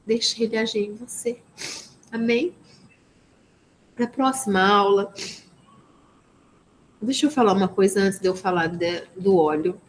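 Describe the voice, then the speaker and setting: A woman's voice: medium pitch, a little slow, pauses often, slight background noise, low-quality recording. A woman with a Brazilian Portuguese accent teaching a live online women's ministry Bible class, earnest and full of blessings, with frequent "amen?" tag questions. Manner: peppers speech with "amen?" and "né?" tags; earnest, blessing-filled preaching tone.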